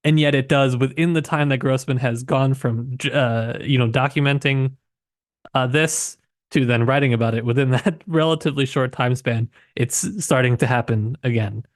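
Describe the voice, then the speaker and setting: A man's voice: medium pitch, steady tone, moderate pace, no echo, studio quality. A man co-hosting a book podcast in casual conversation, tentative and searching for words as he works through his thoughts. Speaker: podcast co-host discussing a novel.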